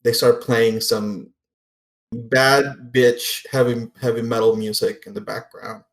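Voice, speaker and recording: A man's voice: medium pitch, level tone, takes it slowly, a bit bright. A man running a tabletop role-playing game as game master, narrating in a casual, sweary way. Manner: casual, profane. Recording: roomy echo, faint music behind.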